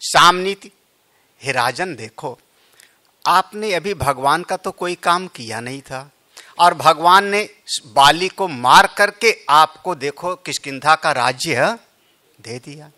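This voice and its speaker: A man's voice: a little high, lively intonation, takes it slowly, pushed and bright. A man, a Hindu spiritual leader, telling a scripture story as a sermon, with chatty joking asides to his listeners.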